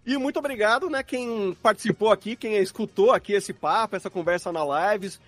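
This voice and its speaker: A man's voice: high voice, brisk, a bit bright, dry recording, faint music behind. A man with a Brazilian Portuguese accent chatting casually as a guest in a live podcast interview. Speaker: podcast guest, audio drama producer.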